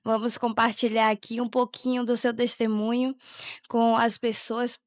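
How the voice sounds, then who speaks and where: A woman hosts a podcast in a casual, welcoming chat. Her voice is clearly high-pitched, recorded dry with little room sound. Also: level tone, normal speed, no echo. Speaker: podcast host.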